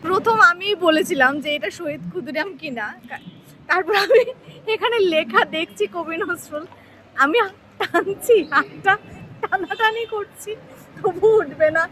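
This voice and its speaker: A woman vlogging on the spot outdoors in a city and metro station, complaining in an animated, exasperated way. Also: extremely high pitch, measured pace, a little hiss or hum. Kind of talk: on-the-spot vlog talk.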